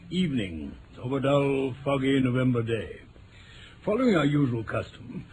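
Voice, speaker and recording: A genial English gentleman tells detective tales in an old radio play. He is a little hesitant and flustered, with a medium-pitched voice. The old recording carries a light layer of noise. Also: creaky. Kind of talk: vintage radio drama acting and narration.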